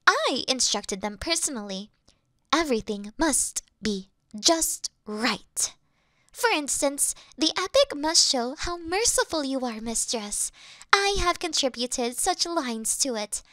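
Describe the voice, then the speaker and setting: High bright demon servant girl, woman doing the voice, fawning over her mistress, slow and dry. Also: very animated, no room sound, full character voice. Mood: adoring. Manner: worshipful, fawning, flustered giggles. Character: adoring devoted female demon servant. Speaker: voice actress in an audio roleplay. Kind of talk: scripted audio roleplay.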